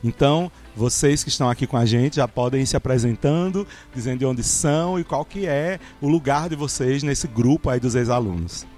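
A man, a priest, hosting a podcast in a relaxed way and explaining at length with many small fillers. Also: medium pitch, brisk, hardly any pauses.

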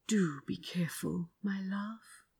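A woman's voice: mid-range voice, slow, vocal fry, a little mellow, husky, no echo, full character voice. Woman voicing an earnest, protective storybook prince. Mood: tender. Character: earnest, protective prince, tender with his lover.

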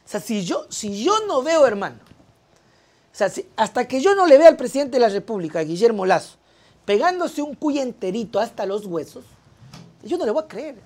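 A woman's voice: a little high, sing-song, normal speed, a little mellow. A woman hosting a satirical news show, in a colloquial, mocking tone. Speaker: host.

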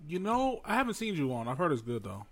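A man's voice: huge pitch swings, a little fast, a bit bright, no echo. A man hosting a podcast, chatting casually and joking around with a friend. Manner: joking, playful, sings snatches in falsetto. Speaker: podcast host. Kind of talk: casual chat.

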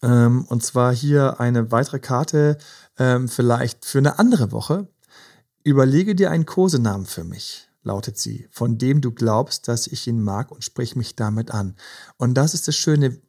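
Gravelly, mellow-voiced male podcast host. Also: medium pitch, measured pace. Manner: gentle, advising, many fillers. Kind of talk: casual podcast chat about relationships.

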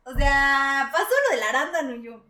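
A woman with a Mexican accent hosting a casual chat, crude and excitable, often breaking into laughter. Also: high-pitched, moderate pace, soft background music. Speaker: podcast host. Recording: echoey room.

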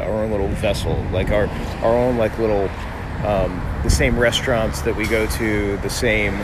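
A middle-aged American man from Miami hosting a casual, conversational podcast monologue outdoors. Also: on the low side. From Miami, United States. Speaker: podcast host, doctor. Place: outdoors by a busy city street. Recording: outdoor street noise, passing cars. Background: traffic and urban ambience.

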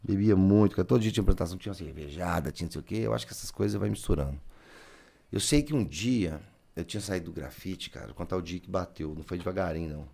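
A man's voice: low voice, very fast, creaky, mellow. A Brazilian man, telling a story in casual chat and acting out the lines he quotes.

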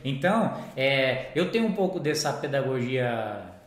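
A man's voice: mid-range voice, very animated, measured pace. A man, hosting a casual educational live chat about teaching children to read. He explains at length and keeps checking in with tag questions. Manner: chatty, explanatory, often ends with tag questions. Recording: roomy echo.

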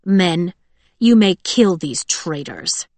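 A woman's voice: lowish voice, expressive, takes it slowly, a little mellow, no room sound. A woman voicing a cold, contemptuous male official in an audiobook, clipped and imperious. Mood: cold menace.

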